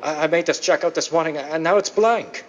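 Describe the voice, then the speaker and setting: A man playing a smooth but nervous crooked businessman in a 1930s style radio drama. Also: fairly high pitch, a little fast, natural voice. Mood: flustered panic. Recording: dull band-limited vintage-style radio sound.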